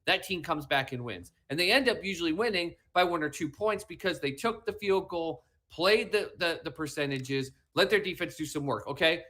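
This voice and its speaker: A man's voice: on the high side, expressive, moderate pace, few pauses, sharp tone. A man co-hosting a sports talk show, lecturing emphatically and repeating his points, with a whiny, slightly mushy voice. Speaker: podcast co-host. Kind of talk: animated sports talk rant.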